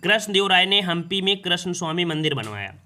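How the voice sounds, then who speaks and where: A man's voice: high-pitched, sing-song, fairly quick, bright, forceful tone. A man teaching exam prep, reading quiz questions and explaining each answer, often repeating the question to his students.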